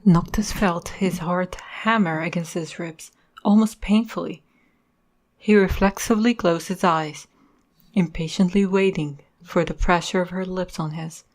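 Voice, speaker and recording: A woman's voice: fairly low pitch, fairly even intonation, measured pace. A woman hosting and narrating a podcast, reading in a scripted style. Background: music.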